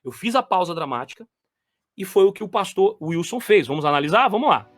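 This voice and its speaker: A man reacts to lecture clips, addressing his viewers directly. His voice sits high and swings widely as he stresses and repeats phrases. The sound is dry and close, with no room around it. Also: expressive, a little fast, no room sound. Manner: emphatic, repeats phrases, talks straight to viewers. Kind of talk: commentary on replayed lecture clips.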